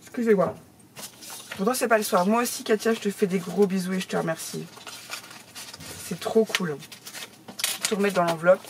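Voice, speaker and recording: A middle-aged woman chatting casually to her viewers as she opens fan mail, talkative and quick to laugh. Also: mid-range voice, fairly even intonation, background noise. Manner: chatty, laughs often, exclaims. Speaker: craft YouTuber opening fan mail. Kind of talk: casual chat to camera.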